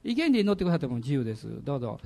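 A middle-aged man, a pastor, preaching a sermon in an animated way, with laughing asides to the congregation. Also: mid-range voice, very fast, vocal fry.

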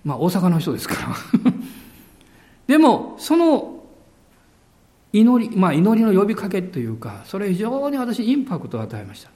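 A male pastor preaching a sermon with emphasis, drawing out key words slowly. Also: high voice, a little mellow.

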